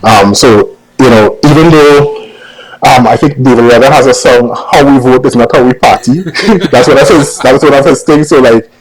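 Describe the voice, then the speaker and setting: A man's voice: mid-range voice, normal speed, rough recording. A man with a Trinidadian accent answering interview questions casually, choosing his words with some hesitation. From Trinidad and Tobago. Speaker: interview guest, journalist.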